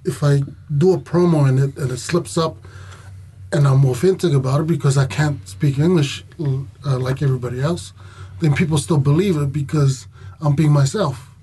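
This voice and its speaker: A man's voice: a little high, fairly even intonation, normal speed, warm tone, husky, low-quality recording. A man, a professional wrestler and guest chatting casually, laughing easily and restarting phrases as he goes. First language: Tongan. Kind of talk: casual podcast chat.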